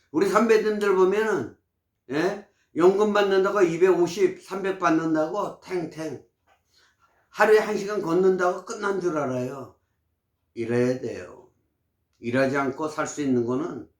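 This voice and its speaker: Emphatic man in his sixties, roomy echo. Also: fairly high pitch. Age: 60s. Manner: emphatic, preachy storytelling. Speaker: vlogger. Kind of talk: casual advice talk to camera.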